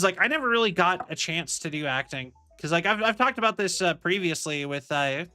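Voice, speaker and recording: Bright, clear-voiced rambling young man. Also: high voice. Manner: rambling, repeats "like I said". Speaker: VTuber streamer. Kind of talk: casual stream chat.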